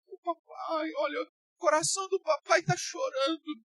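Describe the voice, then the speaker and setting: A man putting on the voice of an overly soft father, cooing sweetly at his little son in a mocking way. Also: steady tone, normal speed, dry recording, clean studio sound. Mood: mock-tender. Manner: high, cooing, mock-tender.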